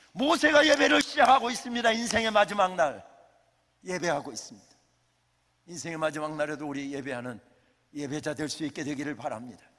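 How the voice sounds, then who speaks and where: A man talks at a fairly quick pace in a fairly high voice, with long, frequent pauses. His pitch swings very widely and his loudness shifts a lot. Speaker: guest preacher. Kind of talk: sermon. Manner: loud, shouting.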